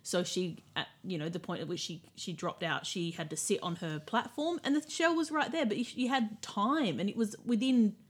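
A woman co-hosting a podcast, giving dry, measured commentary while recapping a reality show. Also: medium pitch, slightly rough. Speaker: podcast co-host.

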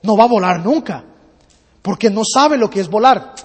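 A man's voice: sits high, expressive, moderate pace, darkish tone, slightly rough, voice pushed down. A man preacher voicing a skeptical male farmer who dismisses the idea with repeated refusals. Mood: dismissive. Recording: long hall reverb.

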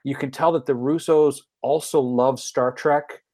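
A man in his forties talking casually as a podcast guest. His voice sits in a middle pitch, and he rambles eagerly, often restarting his sentences. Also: fairly even intonation, unhurried, a little mellow. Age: 40s. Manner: enthusiastic, rambling, many restarts.

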